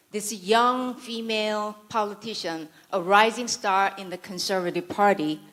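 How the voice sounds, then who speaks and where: A Korean-accented woman addresses a conference audience in English, her second language. She delivers a prepared speech at a mid-range pitch. She talks with dry, sarcastic wit and mock-serious asides. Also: a bit bright. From South Korea. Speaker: conference speaker.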